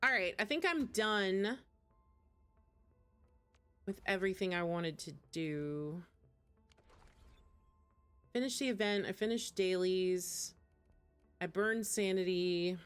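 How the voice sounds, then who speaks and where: A woman's voice: mid-range voice, slow, long pauses, smooth. A woman livestreaming video games, chatting casually and poking fun at herself. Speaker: game livestreamer. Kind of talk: casual gaming stream chat. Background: game music.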